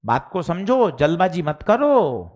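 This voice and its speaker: A man teaching physics in a live online class, explaining slowly and deliberately and acting out his students' questions. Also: a little high, very animated, darkish tone. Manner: addresses students informally, mimics their questions.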